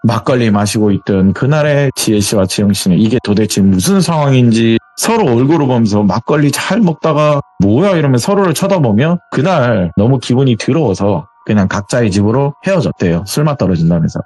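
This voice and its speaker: A man casually retelling a scary story in a conversational, expressive way, with colloquial asides. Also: medium pitch, a little fast, hardly any pauses, dry recording. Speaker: horror story narrator. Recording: dry studio with faint background music.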